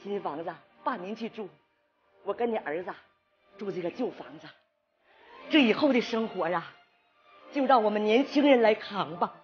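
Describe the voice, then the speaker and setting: A woman's voice: medium pitch, lively intonation, moderate pace, pauses often, muffled recording, soft background music, natural voice. A woman playing an earnest, devoted daughter-in-law in a stage comedy sketch, coaxing her father-in-law. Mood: tender. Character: devoted pleading daughter-in-law, middle-aged. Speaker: sketch actress. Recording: echoey stage sound.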